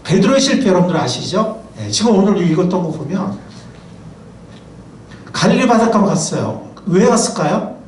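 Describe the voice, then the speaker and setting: A man preaching a sermon, a pastor and professor who talks in a lively, chatty way and keeps asking the congregation questions. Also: sits high, normal speed, a little hiss or hum. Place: church sanctuary. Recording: roomy, distant mic, faint ambience.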